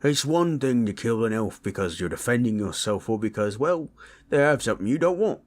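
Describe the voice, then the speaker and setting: A man voicing a gentle, comforting orc in intimate roleplay audio, telling tribal lore in husky, unhurried, rough and ungrammatical speech. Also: medium pitch, lively intonation, close to an everyday voice. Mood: earnest, fumbling. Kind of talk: intimate roleplay audio, slow soothing storytelling.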